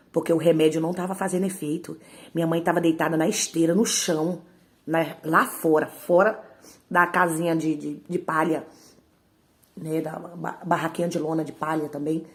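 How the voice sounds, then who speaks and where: A woman, a missionary singer, gives an emotional testimony to a church congregation. She moves between hushed, trembling storytelling and loud, pleading outbursts, repeating phrases and leaning on tag questions. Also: low voice.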